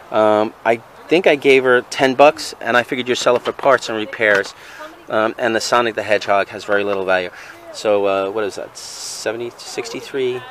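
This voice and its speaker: A man's voice: mid-range voice, fairly bright tone. Guy rambling and counting up his haul outside by a van, lots of ums, noisy market. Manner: mumbled, hesitant, counting aloud with fillers. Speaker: flea market vendor and vlogger. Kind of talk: casual vlog narration, tallying purchases. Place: outdoors at a flea market, by a van. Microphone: handheld camera, filming first-person.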